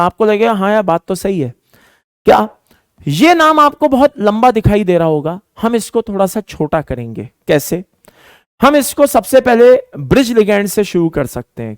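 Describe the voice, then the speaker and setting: A man teaching chemistry in an online lecture, mixing Hindi and English, dictating terms slowly and repeating them for students to write down. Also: sits high, smooth, no room sound, clean studio sound. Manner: calls students "beta", patient and explaining.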